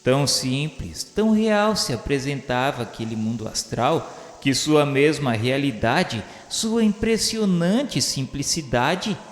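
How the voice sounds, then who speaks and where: A man voicing a solemn, slow, echoing male spirit. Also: medium pitch, expressive. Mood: pensive. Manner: solemn, declamatory, measured with dramatic pauses. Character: solemn male spirit of a dead man recounting his memoirs. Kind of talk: dramatic scripted narration of a radio novel. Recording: echoey long reverb over music. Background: music.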